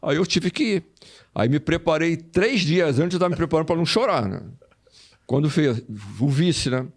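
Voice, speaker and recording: An older Brazilian former footballer, a guest in an interview, telling stories casually, repeating phrases and acting out quoted voices. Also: male voice, fairly high pitch, lively intonation, moderate pace.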